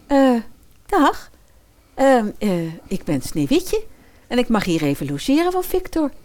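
A woman's voice: a little high, wildly swooping pitch, measured pace, a little mellow. Woman playing girlish, chatty Snow White. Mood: shy, hopeful. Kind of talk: comic fairy-tale audio drama.

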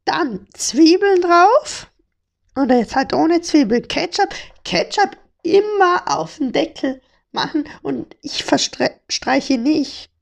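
Podcast host: young woman, playful and jokey, high voice with heavy vocal fry. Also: lively intonation, slow. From Hamburg. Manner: playful, joking, slang-heavy. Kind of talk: casual chat.

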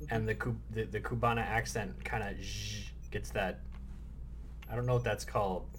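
Male co-host, lowish voice, reflective, casual, slight background hiss. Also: steady tone, normal speed, a bit bright. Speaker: podcast co-host. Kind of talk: casual podcast chat. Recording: faint background noise.

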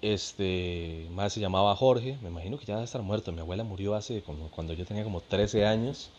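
A man's voice: fairly low pitch, a little fast, a little mellow, highs cut off, a little hiss or hum. A Costa Rican man in his thirties, a comedian telling funny stories in a chatty, slangy monologue with laughs. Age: 30s. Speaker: comedian and podcast host. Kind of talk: casual storytelling monologue.

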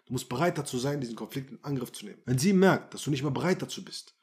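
A man's voice: mid-range voice, expressive, fast. A man coaching male listeners in a podcast monologue, blunt and crude, talking straight to the listener and repeating phrases for emphasis. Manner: brash, blunt and crude, addresses listener directly. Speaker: dating and self-confidence coach. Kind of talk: direct-to-camera podcast monologue.

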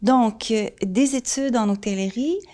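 A woman, interviewing a guest and gently prompting her with short questions. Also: on the high side, a little slow. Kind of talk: conversational interview.

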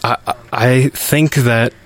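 A man's voice: medium pitch, steady tone, slow. A young man as a radio guest, hesitant and stammering, often restarting his sentences with small laughs. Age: young adult. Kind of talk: casual interview.

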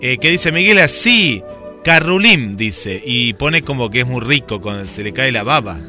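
A man's voice: medium pitch, lively intonation, a little slow, pushed and bright, faint music behind. A man, co-hosting a radio show and reading listener comments aloud in a playful way. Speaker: radio co-host. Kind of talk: casual radio chat.

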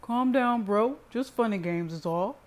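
A woman's voice: medium pitch, takes it slowly, a little mellow, natural voice. A smug, crude young man, played by a woman narrator, needles and teases in an annoying tone. He is the taunting brother of an audiobook drama. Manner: teasing, smug, hissing. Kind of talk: audiobook character reading.

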